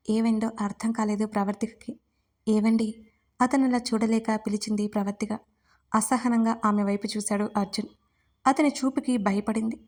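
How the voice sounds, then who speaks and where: Woman, storyteller, fairly high voice, steady even narration, audio story reading.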